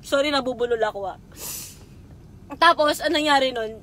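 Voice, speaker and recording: A woman's voice: sits high, moderate pace, a bit bright. A young woman telling a painful personal story straight to someone, emotional and swearing as she speaks. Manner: raw and emotional, swearing, addressing someone directly. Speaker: vlogger. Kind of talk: emotional confessional monologue.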